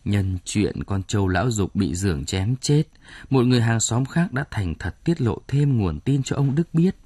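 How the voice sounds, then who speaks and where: Expressive, husky male audiobook narrator. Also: fairly low pitch, moderate pace, no echo. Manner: expressive storytelling. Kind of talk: scripted narration.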